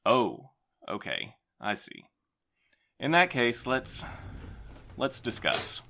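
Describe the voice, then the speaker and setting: An actor playing a defensive postmaster in an audio drama, speaking in a measured, placating way. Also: male voice, medium pitch, huge pitch swings, creaky, sharp tone, heavily acted. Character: defensive male postmaster, guarded boss.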